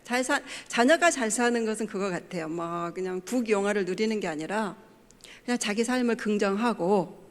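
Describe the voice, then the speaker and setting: A woman's voice: mid-range voice, normal speed. Middle-aged woman speaking in a reverberant church. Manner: storytelling, acting out family quotes. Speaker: pastor's wife giving a family talk. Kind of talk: church lecture with personal stories. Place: church sanctuary. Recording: long church hall reverb.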